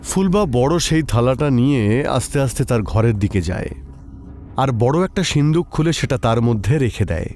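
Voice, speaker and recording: একজন পুরুষ কথক লিখিত ভূতের গল্প পাঠ করছেন।. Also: male voice, mid-range voice, animated, normal speed, a little mellow. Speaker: narrator. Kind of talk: scripted horror story narration.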